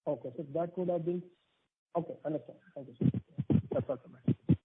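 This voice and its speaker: A man's voice: fairly high pitch, a little fast, a little hiss or hum. A man, a financial analyst asking polite, deferential questions on a conference call, with many fillers. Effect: conference call phone line. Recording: tinny phone line.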